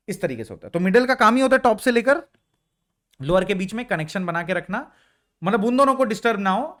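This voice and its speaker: High-voiced young male teacher explaining. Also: a bit bright. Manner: casual explaining, mixing Hindi and English, asks students questions. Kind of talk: exam revision lecture.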